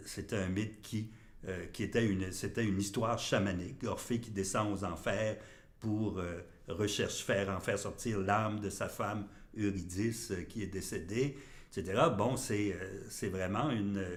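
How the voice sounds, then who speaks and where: Audible room echo surrounds a man who speaks fairly slowly at a fairly low pitch with fairly even intonation. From Quebec, Montreal. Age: 60s. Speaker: anthropologist. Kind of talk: interview. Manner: halting, many hesitations.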